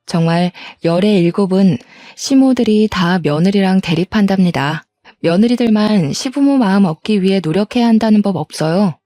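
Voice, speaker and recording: Mellow-voiced woman reading a grievance story. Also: mid-range voice, lively intonation, moderate pace, no echo, studio quality. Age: 30s. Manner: aggrieved, complaining tone. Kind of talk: first-person reading of a submitted story.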